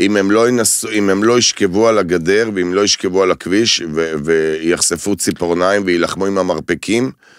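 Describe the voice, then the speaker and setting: Over a quiet background, a man with a very deep, low pitch talks at a moderate pace with fairly even intonation and a dry sound with no echo. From Israel, Bat Yam and Ramat Aviv, childhood years in Ivory Coast; Israel. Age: 50s. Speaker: retail chain CEO; guest. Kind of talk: interview. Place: studio. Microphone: studio mic.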